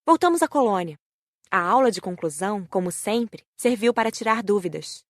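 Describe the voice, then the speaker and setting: A woman's voice: medium pitch, lively intonation, normal speed, no room sound, studio quality. A woman reading scripted first-person narration for an audiobook.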